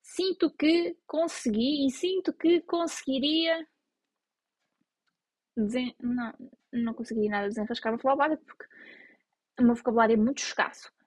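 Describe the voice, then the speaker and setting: A woman's voice: sits high, moderate pace, pauses often, darkish tone, no room sound. A young woman from Portugal with a European Portuguese accent, chatting casually and self-mockingly to her viewers. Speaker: vlogger. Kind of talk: casual chat to camera.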